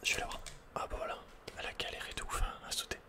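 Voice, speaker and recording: Whispering man, ASMR game commentary. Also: very fast. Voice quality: soft, breathy, unvoiced whisper. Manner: casual, murmured running reactions with slangy asides. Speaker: ASMR gaming video host.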